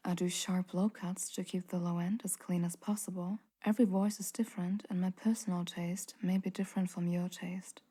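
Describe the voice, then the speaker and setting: A woman with a very deep voice giving a calm, partly whispered audio tutorial into a condenser mic in a home studio. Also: husky. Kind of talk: calm instructional voice-over. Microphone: large-diaphragm condenser studio mic.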